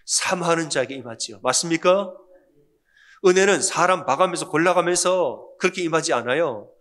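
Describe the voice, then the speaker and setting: A man's voice: expressive, normal speed. A man preaching a Sunday sermon as pastor, asking the congregation questions and answering them himself. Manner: acts out quoted lines in a softer, lower voice.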